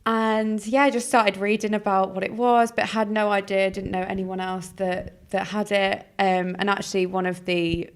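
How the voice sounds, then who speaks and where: A woman's voice: medium pitch, flat delivery, moderate pace, hardly any pauses. A woman in her twenties from England talking casually on a podcast, chatty, with frequent fillers. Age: 20s. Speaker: charity founder as podcast guest. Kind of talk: casual conversation.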